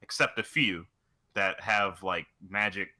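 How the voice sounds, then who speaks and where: A man's voice: low-pitched, measured pace, sharp tone. A man co-hosting a casual chat about video games, telling things in a loose, informal way. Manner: informal, loose storytelling with mild swearing. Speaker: podcast co-host.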